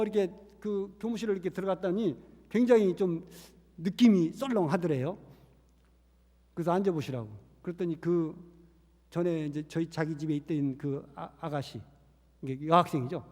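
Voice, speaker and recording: A man's voice: fairly high pitch, normal speed, dark tone. A man who is a missionary preaching a sermon, telling a story earnestly. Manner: earnest storytelling, acting out quoted voices. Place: church sanctuary. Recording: reverberant church hall.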